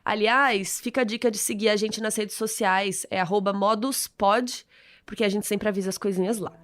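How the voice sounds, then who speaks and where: A woman's voice: mid-range voice, fairly even intonation, normal speed. A woman with a Brazilian Portuguese accent co-hosting a podcast, chatting casually and informally with slang. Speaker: podcast co-host.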